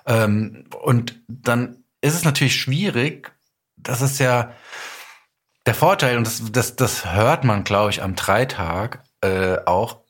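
A man's voice: medium pitch, slow pace. A man with a German accent talking reflectively as an interview guest, thinking aloud as he explains. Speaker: guest, radio drama author and director. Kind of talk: reflective casual podcast interview.

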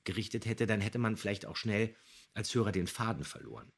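Low, husky male podcast co-host. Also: expressive, a little fast. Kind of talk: casual discussion of audio dramas.

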